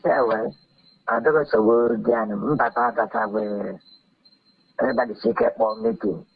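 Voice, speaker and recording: Hesitant gravelly man in a voice message. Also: mid-range voice, steady tone. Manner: hesitant, halting, many fillers. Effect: played-back voice message. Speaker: party member questioned in a call. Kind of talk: recorded phone conversation. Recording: tinny phone-line voice note.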